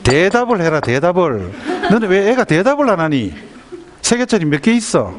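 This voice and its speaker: A man's voice: sits high, very animated, fast, background noise, pitched above the performer's own voice. A man voicing an impatient mother who nags and scolds her child over a math problem. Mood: exasperated. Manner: exasperated, nagging, sharp rebukes.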